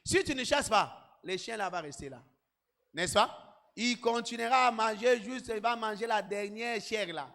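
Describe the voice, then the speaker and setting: Pastor, very high voice, drives the room with repeated shouted commands; echoey church hall. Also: male voice, normal speed. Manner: repetitive shouted commands and exhortations. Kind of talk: sermon and led prayer.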